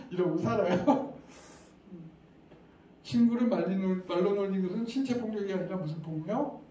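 A man's voice: high voice, normal speed, dark tone, muffled recording, a little hiss or hum. A middle-aged man giving an interactive lecture to parents, quizzing the audience and chuckling as he talks. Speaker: lecturer at parent education session. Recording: echoey hall, distant mic, faint ambience.

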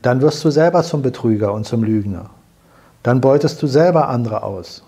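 Older male host, earnest explainer, dark husky voice, room-miked. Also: mid-range voice, lively intonation, moderate pace. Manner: earnest, explanatory, repeats himself while searching for words. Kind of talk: salon conversation. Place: living room with fireplace, indoors.

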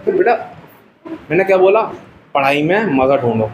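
A man's voice: on the high side, very animated, normal speed, muffled recording, heavy background noise. A young man teaching Russian to a class, patient and joking, often calling his students "beta" as he drills the letters.

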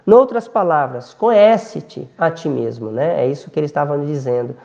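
A man giving a spiritist lecture, speaking slowly and reflectively, with frequent hesitant fillers between phrases. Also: a little high, creaky, darkish tone, highs cut off.

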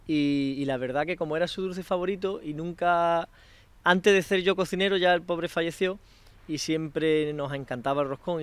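A man's voice: fairly high pitch, clean tone, dry recording. A man in his thirties, a chef and restaurant owner, explaining his work plainly in an outdoor interview. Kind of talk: casual interview. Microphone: handheld microphone.

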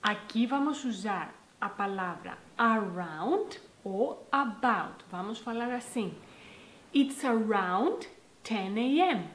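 A woman with a fairly high voice speaks her example sentences very slowly and clearly. The room around her carries a noticeable echo. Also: animated, a little hiss or hum. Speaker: co-teacher. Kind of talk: giving example sentences in a lesson.

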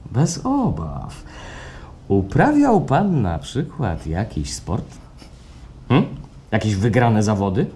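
An actor playing a coaxing, insinuating psychologist in a radio play performed live, swinging from soft to excited. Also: male voice, lowish voice, slow pace, long pauses, heavily acted. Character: smooth, probing male psychologist, theatrical and coaxing. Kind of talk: radio play acting before a live audience. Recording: live stage recording with background noise.

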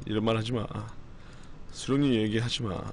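A man's voice: fairly low pitch, fairly even intonation, moderate pace, very noisy. A man on a live stream with a strained, recovering voice, chatting in a rambling way with viewers, blunt and swearing now and then. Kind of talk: casual live-stream chat.

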